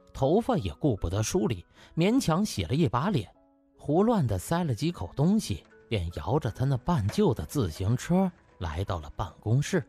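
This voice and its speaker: A male audiobook narrator tells a comic novel dramatically. His voice is husky, with very animated, swinging intonation, and music plays faintly behind him. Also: medium pitch.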